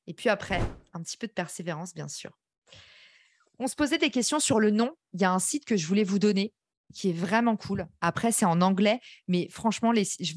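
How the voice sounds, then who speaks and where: A woman with a slight English-tinged accent leads a live workshop, talking fast and eagerly straight to her listeners. Her voice sits at an ordinary middle pitch. The sound is dry and close, with no room around it. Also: no room sound. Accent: English-tinged French. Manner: chatty, enthusiastic, addresses the audience directly. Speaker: podcast course instructor.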